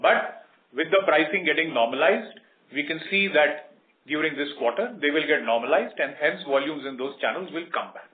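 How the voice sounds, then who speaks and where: A man with an Indian accent, a company executive giving measured, explanatory answers on an earnings call. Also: lively intonation. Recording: roomy, muffled low-bandwidth conference line.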